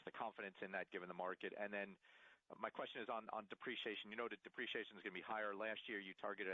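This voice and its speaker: A man questioning executives as a financial analyst on a conference call, halting and restarting with stammers. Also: deep voice, sharp tone. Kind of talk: unscripted question on an earnings call. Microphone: telephone conference call. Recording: slightly dull lo-fi call audio.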